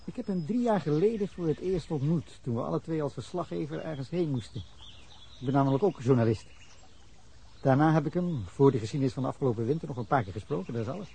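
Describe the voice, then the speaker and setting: A man's voice: on the high side, lively intonation, fast talker, vocal fry, warm tone, slightly rough, heavily acted. An actor playing a wary male journalist being questioned by police in a radio drama. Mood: guarded. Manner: guarded, dismissive.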